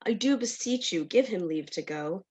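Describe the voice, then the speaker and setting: A woman's voice: mid-range voice, animated, normal speed, darkish tone, lightly acted. Deferential old courtier played by a woman. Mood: beseeching. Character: deferential elderly courtier, reluctant consenting father. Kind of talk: livestreamed Shakespeare dramatic reading.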